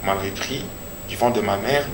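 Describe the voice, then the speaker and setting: A man with a Congolese accent giving a personal religious testimony as a pastor, speaking deliberately and repeating phrases for emphasis. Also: on the low side. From Democratic Republic of the Congo. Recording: echoey room with clear background noise.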